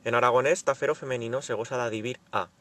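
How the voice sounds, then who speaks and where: A man's voice: mid-range voice, fairly even intonation, quick pace, fairly bright tone. A man presenting a language lesson, carefully reading out rules and example words. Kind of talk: scripted lesson narration.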